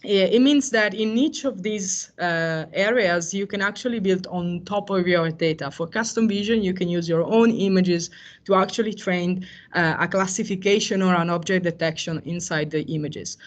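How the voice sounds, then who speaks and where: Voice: medium pitch, normal speed. Hesitant tech presenter. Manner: hesitant, frequent fillers and self-corrections. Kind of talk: technical talk on cloud AI services.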